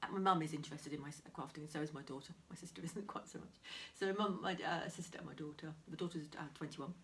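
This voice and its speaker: A woman's voice: deep voice, fast talker. A woman, chatting casually to camera about her crafts, slightly nasal from a cold and often half-whispering. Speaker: crafting vlogger. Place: home room beside a window, heavy rain outside. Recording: faint rain noise.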